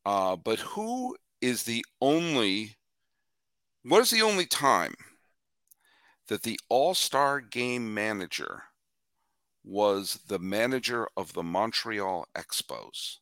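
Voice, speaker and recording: Man, podcast host, casual chat, bright tone, close dry mic. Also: fairly low pitch, no echo. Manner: animated, repeats words while thinking.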